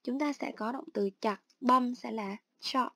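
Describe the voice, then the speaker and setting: Higher-pitched woman teaching, dry close mic. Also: a little slow, vocal fry, dry recording. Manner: steady instructional, explains each step. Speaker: English teacher. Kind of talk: online lesson narration.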